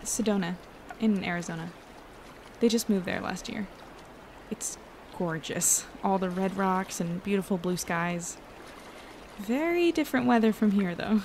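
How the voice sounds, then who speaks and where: A supportive young woman in an audio drama, with a noticeably creaky, mid-pitched voice. She sounds easygoing and reassuring, speaking naturally over light ambience. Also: expressive, measured pace, pauses often, a little mellow, a little hiss or hum. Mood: relaxed.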